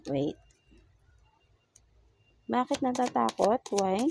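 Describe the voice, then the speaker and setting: A woman's voice: on the high side, animated, gravelly, background noise. A woman with a Filipino accent doing a casual tarot reading, mixing Tagalog and English and asking coaxing rhetorical questions. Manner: slow, murmured pleading while drawing cards. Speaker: tarot reader.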